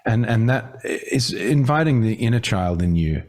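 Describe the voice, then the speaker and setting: A man speaking as a voice coach in a conversational teaching style, halting and reflective, gently inviting the listener in. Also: mid-range voice, expressive.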